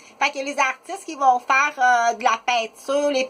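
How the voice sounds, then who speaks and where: A woman keeps her intonation fairly even while noticeable background noise carries on. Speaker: vlogger. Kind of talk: rambling video monologue. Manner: fast; halting, many hesitations.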